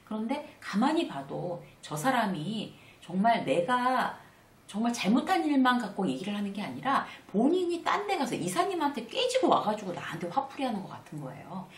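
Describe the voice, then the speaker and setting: A woman's voice: on the high side, moderate pace. A middle-aged woman giving a casual lecture on workplace life, acting out small dialogues as she goes. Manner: conversational, acts out little dialogues with animated asides. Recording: roomy, slightly distant mic.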